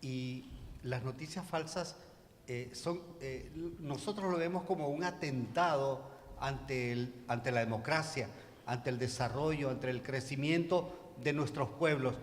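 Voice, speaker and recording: Halting Salvadoran man in a reverberant hall. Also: medium pitch, slight background noise. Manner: halting, hesitant, frequent filler sounds and repeats. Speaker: panel guest, journalist and documentary maker. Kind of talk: spontaneous panel reflection.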